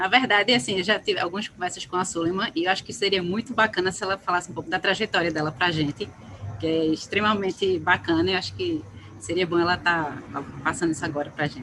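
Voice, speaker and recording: A very fast delivery in a Recife accent, with ordinary pitch variation. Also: woman, medium pitch for a woman. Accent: Recife (Pernambuco). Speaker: security company panelist. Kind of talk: online panel discussion. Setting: online live stream.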